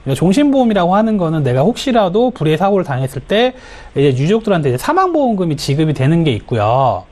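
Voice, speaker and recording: A man advising a caller as an insurance expert, in a high, lively voice that swoops up and down. He talks in a friendly, explanatory way and fills his sentences with small hesitations. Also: fast talker. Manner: friendly, explanatory, filler-heavy. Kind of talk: phone consultation advice.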